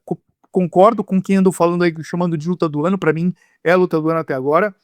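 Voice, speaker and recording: A man's voice: sits high, fairly even intonation, fast, dry recording. Brazilian guy hosting a sports podcast, playful and theatrical, voice sounds sick, very dry sound. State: sick, rough voice. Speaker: podcast host. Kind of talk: lively sports podcast chat.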